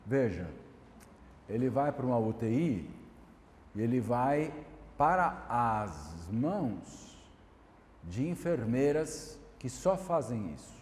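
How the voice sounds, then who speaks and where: Brazilian man, pastor-lecturer, warm low-key tone, measured and repetitive, roomy hall sound. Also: sing-song. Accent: Brazilian Portuguese. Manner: measured, repeats points, asks "tá certo?". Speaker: pastor and lecturer answering questions. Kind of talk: classroom Q&A answer. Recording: echoey hall, light background hiss.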